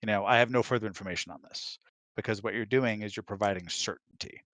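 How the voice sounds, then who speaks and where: Man, casual explanatory guest, fairly low pitch, dry close recording. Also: fast talker, fairly bright tone, no room sound. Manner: conversational, explanatory, checks with "right?". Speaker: guest, the host's husband. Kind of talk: casual chat, explaining opinions.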